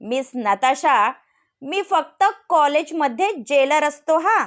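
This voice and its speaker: A woman voicing a deadpan strict professor. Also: sits high, slow, exaggerated voice. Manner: stern and deadpan. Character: strict middle-aged male professor, deadpan.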